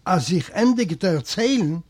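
A man from Eastern Europe reading a literary memoir aloud as an audiobook narrator, in a measured, steady voice. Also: high-pitched, breathy edge. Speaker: audiobook reader.

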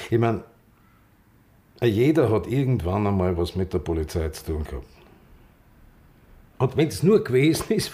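A man's voice: fairly low pitch, a little mellow. An actor playing an embittered older Viennese gay man reminiscing in a naturalistic radio drama, speaking emphatically.

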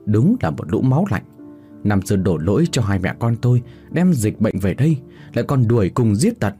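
A man's voice: mid-range voice, warm tone, close to an everyday voice. A man voicing a vengeful, bloodthirsty female ghost who scolds harshly and with contempt.

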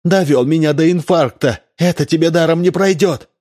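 Guy doing a furious wife yelling thru a door, shrill and high. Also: normal speed, lightly acted. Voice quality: shrill, screaming. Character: shrieking furious middle-aged wife.

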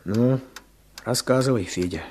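Male actor as village official, mid-range voice, decisive, steady, radio play, faint recording noise. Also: medium pitch, measured pace, natural voice. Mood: grave, probing. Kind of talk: Russian radio drama acting. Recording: slightly noisy old radio play recording.

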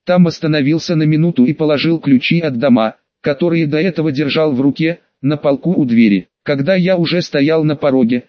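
A man's voice: fairly high pitch, a little fast, few pauses, no room sound. Man narrating an audiobook, dry and dull. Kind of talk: first-person audiobook narration.

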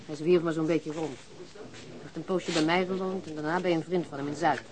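A woman's voice: low voice, fairly even intonation, brisk, noisy background, lightly acted. An actress playing a brash, distrustful woman from the criminal fringe in a radio crime drama, curt, coarse and defiant. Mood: guarded, snappy.

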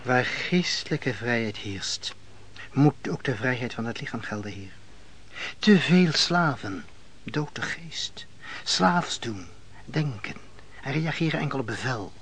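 An actor playing a calm, philosophical host who defers to his lord in a radio play, speaking in a measured, formal way. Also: medium pitch, breathy edge, full character voice. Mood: grave, reflective. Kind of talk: theatrical Dutch radio play acting. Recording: faintly noisy old radio play recording.

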